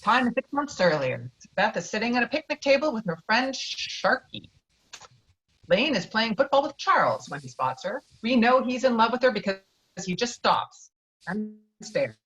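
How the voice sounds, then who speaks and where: A woman's voice: fairly high pitch, very animated, moderate pace, a bit bright. A woman reading out screenplay stage directions as the narrator of an online table read. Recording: dull, lo-fi online call audio.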